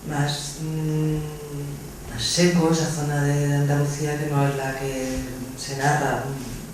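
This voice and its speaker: A man's voice: fairly high pitch, monotone, slow. Male discussion speaker from a literary event, feeling for words, far from the mic amid noise. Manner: hesitant, searching for words. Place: echoey indoor hall at a public talk. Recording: distant, very echoey, noisy room.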